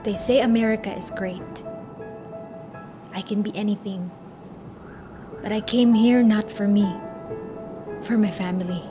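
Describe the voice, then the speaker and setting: A grave immigrant woman voiced by an actress speaks very slowly in a film trailer monologue. She is selfless and full of sorrow, with music clearly playing behind her measured words. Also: medium pitch, steady tone, lightly acted. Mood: sorrowful.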